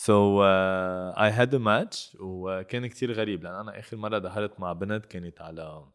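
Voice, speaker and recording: A man's voice: deep voice, steady tone, a little fast, fairly bright tone, clear, resonant tone. A middle-aged man with a Lebanese Levantine accent, telling personal anecdotes in casual chat and mixing in English and French words.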